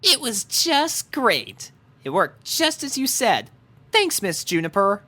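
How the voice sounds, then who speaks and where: A man's voice: very high-pitched, huge pitch swings, slow pace, sharp tone, voice pushed up, exaggerated voice. A man voicing a plucky, self-assured young pegasus filly in a fan fiction storybook reading. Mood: cheerful, eager.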